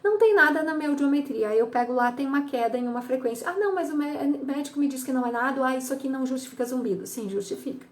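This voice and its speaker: Talking about the causes of tinnitus, this middle-aged Brazilian audiologist and psychologist takes a didactic approach, repeatedly asking "tá?" and voicing her patients' words. Her voice sits high and races along with few pauses.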